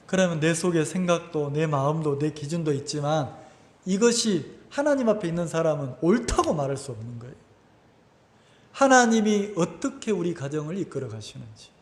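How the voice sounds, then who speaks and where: A man pastor, giving a conversational, animated sermon full of rhetorical questions in a church. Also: fairly high pitch. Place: church sanctuary. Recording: echoey church hall.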